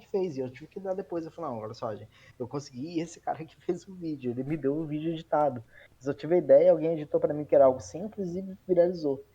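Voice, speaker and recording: A high-pitched male voice with a dark, mellow tone at a fairly quick pace. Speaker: podcast co-host. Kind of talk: casual chat. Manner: halting.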